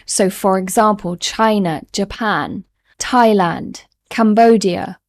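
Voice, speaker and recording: A woman's voice: medium pitch, takes it slowly. British woman teaching English on camera. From United Kingdom. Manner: clear, explanatory, conversational. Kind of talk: online lesson to camera. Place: small room indoors. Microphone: studio microphone in front.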